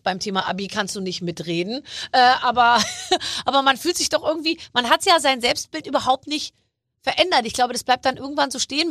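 A woman in her forties hosting a podcast, chatting casually and lively, teasing her guest. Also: a little high, dry recording, studio quality. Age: 40s. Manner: lively, teasing, quick to laugh. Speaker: podcast host. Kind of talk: casual interview chat.

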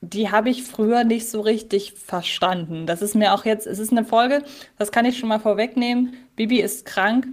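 A woman's voice: medium pitch, fairly even intonation, normal speed. A woman co-hosting a podcast, chatting in a reflective way about an old audio drama episode she heard as a child. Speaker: podcast co-host.

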